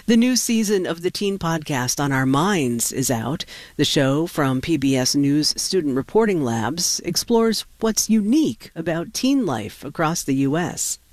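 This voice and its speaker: A woman hosting local public radio, reading news, weather and sponsor notes in a measured announcer delivery. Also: low voice, lively intonation, a little mellow, no room sound. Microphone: studio microphone.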